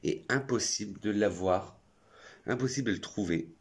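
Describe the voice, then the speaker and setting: A man's voice: lowish voice, moderate pace, husky. A French man reviewing perfumes in a chatty, effusive vlog. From France. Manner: chatty and effusive, talks to himself. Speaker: perfume youtuber.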